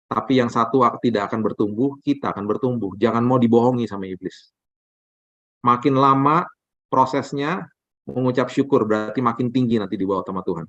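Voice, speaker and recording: A man's voice: mid-range voice, dry recording. A middle-aged man preaching a sermon, telling a personal story and acting out the dialogue in it. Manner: animated storytelling, acts out dialogue. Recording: dry, dull lo-fi sound.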